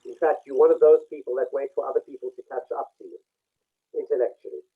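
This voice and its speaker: A man on a video call reading a participant's face for a group session, speaking reflectively with pauses. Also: medium pitch, steady tone, slightly rough. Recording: tinny phone-like call audio.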